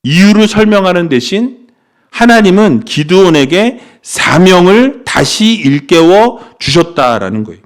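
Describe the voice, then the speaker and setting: A male pastor preaching a sermon, rising to impassioned pleas and dropping low for scripture readings. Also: big pitch swings, measured pace.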